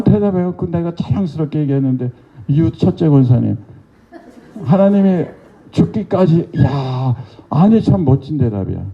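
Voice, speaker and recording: An older man, a pastor, preaching a lively revival sermon and teasingly quizzing members of his congregation. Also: fairly high pitch, gravelly, lo-fi sound. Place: church sanctuary.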